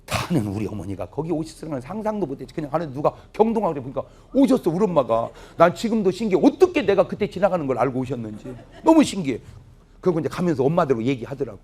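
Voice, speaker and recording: A middle-aged pastor preaches a revival sermon at a church meeting, his fairly high voice fast and slightly rough. He tells lively, humorous family stories, acting out the dialogue while the audience laughs.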